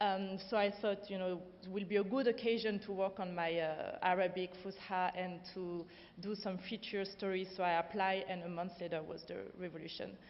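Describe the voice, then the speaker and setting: In a French accent, the speaker talks at a moderate pace with monotone, flat intonation. Audible room echo surrounds the voice. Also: woman. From France, Paris. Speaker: war correspondent. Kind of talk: panel discussion. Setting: conference stage with audience.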